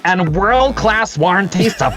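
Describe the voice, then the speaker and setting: A man voicing a young, gushing Valley girl in a high, affected voice, reading a parody commercial. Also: expressive, unhurried, over music. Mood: ditzy, gushing.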